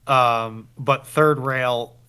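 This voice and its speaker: Guy on a panel explaining technical stuff, bright sharp voice, deliberate and emphatic. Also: mid-range voice, fairly even intonation, clean tone.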